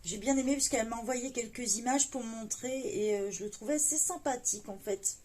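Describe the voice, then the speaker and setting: A woman's voice: on the high side, fairly quick, darkish tone. A woman chatting casually as she unboxes a parcel of coloring books, full of fillers and delighted little exclamations. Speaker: coloring book haul vlogger.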